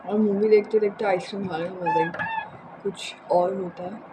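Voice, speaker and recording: A young woman with a hoarse, sore throat chats casually and unscripted in a rambling home vlog, mixing in English words. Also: mid-range voice, steady tone, moderate pace, noisy background. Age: young adult. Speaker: vlogger. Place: indoors in a room at home.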